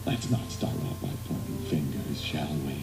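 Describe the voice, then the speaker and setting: A man playing a scheming old prospector toy villain in an animated film, with a patronising, theatrical delivery. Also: rumbling low, moderate pace, vocal fry, reverberant, music in the background, heavily acted, rough recording. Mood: menacing, patronising.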